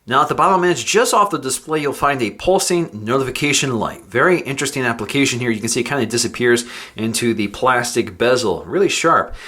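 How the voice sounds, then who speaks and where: A man reviewing tech, calmly explaining each step of a phone unboxing as he goes. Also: mid-range voice. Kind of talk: product unboxing walkthrough.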